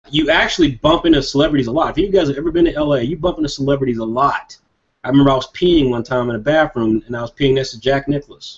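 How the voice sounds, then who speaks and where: A man with an American accent, fairly high-pitched, at a very fast pace with ordinary pitch variation. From North Carolina, US South. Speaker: comic publisher and show host. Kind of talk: live Q&A webcast. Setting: video call livestream. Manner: many fillers and restarts.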